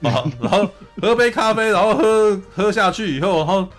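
A man hosts a casual anime chat in a slightly raised voice. He retells scenes with lively energy, laughing often and keeps asking his listener "you know?". Soft music plays faintly underneath. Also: high-pitched, fairly quick. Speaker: host.

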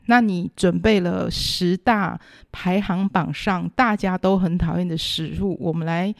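A woman's voice: fairly low pitch, steady tone, unhurried, creaky, no echo. Playful, emphatic Taiwanese-accented woman, close dry sound. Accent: Taiwanese Mandarin. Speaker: podcast co-host. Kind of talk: casual banter and storytelling.

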